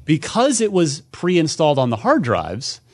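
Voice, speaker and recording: A man's voice: fairly high pitch, wildly swooping pitch, measured pace, husky. A man hosting a casual gaming panel show, talking in a teasing, conversational way. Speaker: podcast host and quizmaster.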